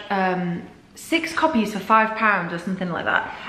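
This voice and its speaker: Audible room echo surrounds a woman speaking at a fairly high pitch with an English accent. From England. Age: 30s. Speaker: family and food vlogger. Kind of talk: casual vlog monologue. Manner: chatty, filler-heavy. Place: home room. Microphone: phone near.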